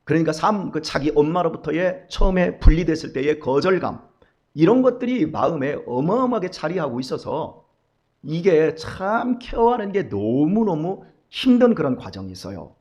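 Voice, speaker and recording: A man's voice: on the high side, normal speed, lo-fi sound. A middle-aged man preaching a dawn sermon, telling stories and acting out the voices of the people in them. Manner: storytelling, animated, acts out quoted voices. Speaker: pastor.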